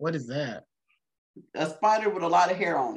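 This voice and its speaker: With lively intonation and a fairly quick pace, the delivery is a normal speaking voice. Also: woman. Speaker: podcast host.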